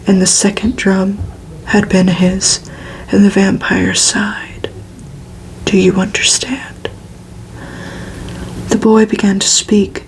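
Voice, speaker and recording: A woman reading a gothic novel aloud for ASMR in a breathy, unvoiced whisper, hushed and deliberate, with pauses between phrases. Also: medium pitch, low-quality recording. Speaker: ASMR reader.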